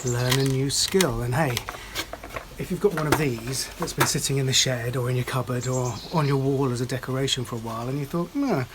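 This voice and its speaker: A presenter chats casually to viewers in a medium-pitched voice. The recording is clearly noisy, with clicks. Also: a little fast. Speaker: video presenter. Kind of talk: casual chatty piece to camera.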